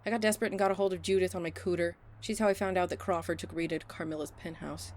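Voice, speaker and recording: A woman's voice: lowish voice, steady tone, rapid-fire, a little mellow, lightly acted. A woman playing an anxious, practical, caring companion in an audio drama, sensible and pleading. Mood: wary, practical.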